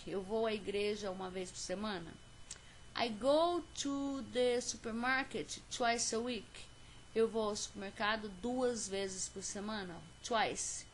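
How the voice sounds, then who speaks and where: A woman with a Brazilian Portuguese accent teaching an English lesson on video, slowly stressing each example word. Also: on the high side, a little hiss or hum. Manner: slow, clear teaching pace with stressed example words.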